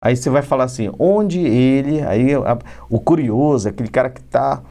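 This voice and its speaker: A man running a relaxed online English lesson at a middle pitch. He explains with lively, rising emphasis and slows right down to spell out each example sentence. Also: gravelly. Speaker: English teacher.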